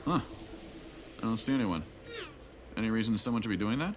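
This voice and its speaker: Man playing a low-voiced, jaded middle-aged man. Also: animated, fairly quick, slight background noise, natural voice. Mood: casual, courteous. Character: jaded, guarded older man, bitter about his family. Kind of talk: naturalistic audio drama acting. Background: background music.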